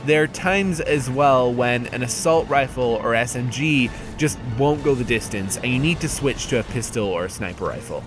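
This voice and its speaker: A man's voice: mid-range voice, animated, normal speed, few pauses. Man narrating a video review over music. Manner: conversational, candid, wry, mildly sweary. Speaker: game reviewer and host.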